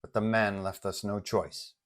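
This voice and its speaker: A cold villainess crime boss, played by a male narrator, speaks in a hushed, low register. The delivery is deliberate, formal and condescending, full of quiet storybook menace. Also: little pitch movement. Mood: cold disappointment. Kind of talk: audio storybook villain dialogue.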